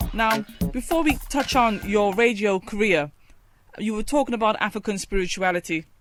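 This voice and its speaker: A woman's fairly high voice with lively intonation, over music in the background. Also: moderate pace. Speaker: radio talk show host. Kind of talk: radio interview questions.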